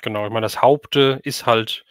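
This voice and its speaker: Hessian german guy hosting a stream, mid pitch, really dry sound, just chatting casually. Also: steady tone, normal speed, fairly bright tone, clean tone, no echo. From Hesse, Germany. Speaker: livestream host. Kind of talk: casual livestream chat.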